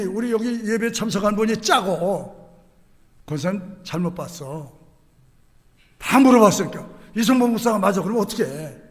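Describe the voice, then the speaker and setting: Male pastor, sermon. High, bright voice, reverberant hall. Swings from soft asides to shouted declarations, quizzes the congregation. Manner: asks the congregation rhetorical questions. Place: church sanctuary. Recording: echoey church hall.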